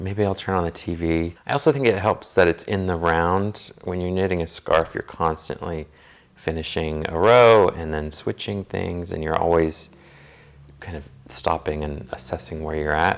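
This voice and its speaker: In a very deep, low voice, a man mumbles at a moderate pace with ordinary pitch variation. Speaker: knitting vlogger. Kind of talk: casual vlog talk to camera. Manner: mumbling.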